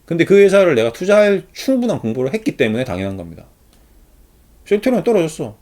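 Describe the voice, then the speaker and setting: A man hosting a casual lesson on investing, talking in an animated way and acting out little scenes. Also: very fast. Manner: animated, acts out little scenes with pitch swings. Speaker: stock investing study channel host. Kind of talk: casual spoken lecture.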